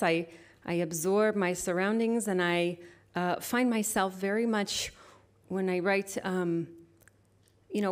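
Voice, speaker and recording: A middle-aged woman poet and lecturer, introducing her work haltingly before a slow, measured reading of her poems into a stage microphone. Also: lowish voice. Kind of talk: poetry reading with spoken introduction. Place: stage at a literary venue.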